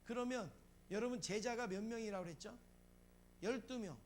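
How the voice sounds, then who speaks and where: High-pitched male pastor preaching. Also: moderate pace, a little hiss or hum. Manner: asks the congregation questions and answers them, repeats phrases for emphasis; acts out quoted lines in a raised voice. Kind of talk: sermon.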